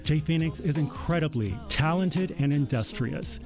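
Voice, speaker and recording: A man hosting a radio interview show, reading a measured introduction before chatting with his guest. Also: on the high side, animated. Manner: measured, reads credits. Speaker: radio host. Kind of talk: scripted intro then interview. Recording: music bed behind.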